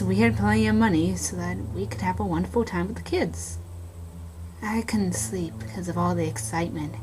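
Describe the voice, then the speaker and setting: A woman's voice: on the low side, poor audio. A woman narrator reading a first-person scary story as a scripted narration.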